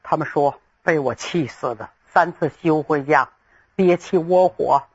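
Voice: medium pitch, measured pace, darkish tone, husky, lo-fi sound, pitched below the performer's own voice. A storyteller voicing a proud, stubborn young male general who talks back indignantly. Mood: glum. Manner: indignant, defiant.

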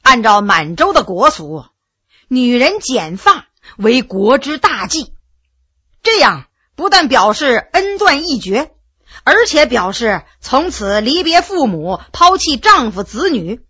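Bright, animated woman storyteller. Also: high-pitched, slow, husky. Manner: vivid, dramatic, with asides to listeners. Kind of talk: traditional storytelling narration.

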